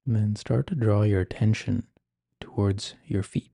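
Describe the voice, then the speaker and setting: A man guiding a meditation in an ASMR-like style, speaking gently and giving soft, measured instructions. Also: on the low side, steady tone, gravelly, dry recording, studio quality. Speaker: meditation guide.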